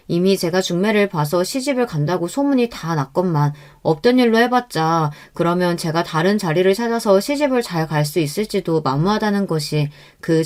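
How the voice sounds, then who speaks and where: A woman narrating a first-person life story in a calm, even scripted telling. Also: lowish voice.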